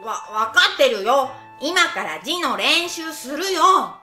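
A woman voicing an eager, cheeky little boy in a children's story, boyish, blunt and excitable. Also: high voice, slow, soft background music, exaggerated voice. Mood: defensive. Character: eager, cheeky little Edo-period schoolboy. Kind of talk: scripted children's story dialogue. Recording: echoey room sound.

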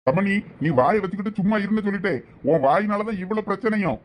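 A man's voice: high-pitched, expressive, fast talker. A man playing a firm peacemaking husband. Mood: placating. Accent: Thoothukudi Tamil. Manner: firm, placating. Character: calm middle-aged husband trying to make peace.

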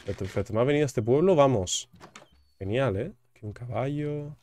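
A man's voice: medium pitch, brisk, warm tone. Chatty young man gaming. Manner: chatty, repeats words, jokey asides. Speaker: gaming YouTuber. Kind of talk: casual gameplay commentary.

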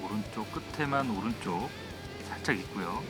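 A man's voice: lowish voice, expressive, normal speed, over loud music. A man doing live golf commentary as the analyst, giving brief remarks on each shot.

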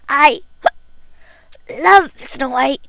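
A woman's voice: high-pitched, extremely slow, fairly bright tone, no room sound, voice pushed up, heavily acted. A woman voicing a sweet, simple, giggly little fairy-tale dwarf in an audition. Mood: adoring. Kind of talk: amateur character audition.

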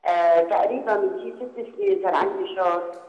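A woman in her fifties from Lebanon with a Lebanese accent, calling in haltingly with a medical question. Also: mid-range voice, very animated. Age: 50s. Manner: halting, repeats herself. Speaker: caller. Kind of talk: phone-in question. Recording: echoey distant phone line.

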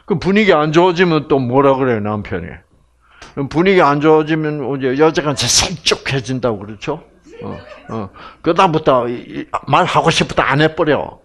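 A man's voice: on the high side, gravelly. A man with a Gyeongsang Korean accent giving a humorous lecture to an audience as a health program lecturer, telling jokes like a storyteller and asking the audience questions.

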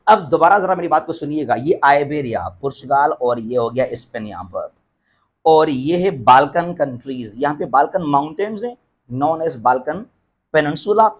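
A man giving a geography lecture at a map, asking himself questions and answering them, and slowing down for English terms. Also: a little high, expressive. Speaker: teacher.

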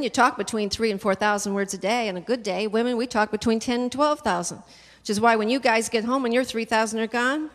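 An older woman giving a motivational keynote on a conference stage with a handheld mic, with a punchy, emphatic delivery aimed at the audience. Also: on the high side. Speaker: keynote speaker. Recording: roomy hall with long reverb.

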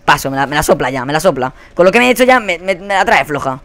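A young man with a Spanish accent commentating his own shooter gameplay, swearing a lot and quick to burst into angry shouts. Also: a little high, big pitch swings. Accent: Spanish from Spain. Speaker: gaming commentator. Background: faint gunfire from the game.

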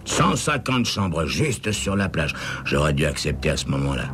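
Man doing a frantic motel manager, plaintive and lamenting, high wavering voice, lively ups and downs. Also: moderate pace, faint music behind, heavily acted. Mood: resigned. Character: panicky whining male motel manager, middle-aged.

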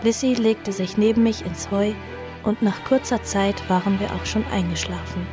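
An actress playing an earnest, cautious girl who recounts her story in a horror audio drama, measured and reflective. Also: mid-range voice, fairly even intonation, close to an everyday voice. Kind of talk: audio drama narration and dialogue. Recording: music behind the voice.

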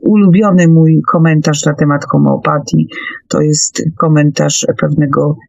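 A woman hosting a radio discussion, talking in a halting, deliberate way with frequent hesitations. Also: deep voice, steady tone, creaky, mellow, no echo, muffled recording, faint music behind. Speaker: host.

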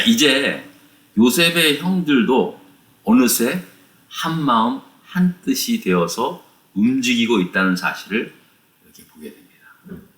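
A man, a pastor, teaching a Bible study lesson with animated storytelling and frequent rhetorical prompts to his listeners. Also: deep voice. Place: church room. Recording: echoey room.

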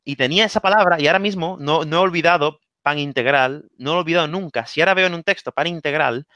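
A man with a Spanish accent from Spain talks through language-learning advice in a relaxed interview. He is animated and repeats key phrases, checking in with "¿vale?". His voice is bright and forceful, recorded dry and close. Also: a little high, quick pace, no room sound. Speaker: guest giving language-learning tips. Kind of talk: casual online interview.

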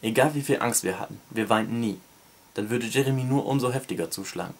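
A man who reviews books, reading a novel excerpt aloud in a steady, even narration. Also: mid-range voice, fast talker, creaky, slightly rough.

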